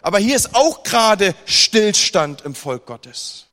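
Speaking slowly, a northern German preacher with a high voice addresses a seated congregation in a hall that rings with long reverb. Between scripture passages he offers playful, ironic retellings, animatedly voicing mock exchanges.

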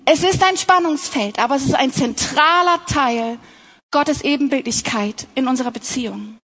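A woman's voice: high-pitched, normal speed, fairly bright tone. A young adult woman giving an earnest, personal sermon, talking directly to other women in her audience. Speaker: speaker at a Christian talk.

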